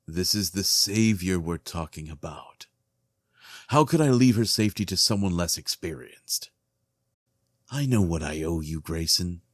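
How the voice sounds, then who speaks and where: Man playing a deep-voiced, solemn fantasy king. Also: no room sound, studio quality. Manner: solemn, measured, formal. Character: earnest, weary king, devoted husband and loyal friend. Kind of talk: fantasy audio drama acting.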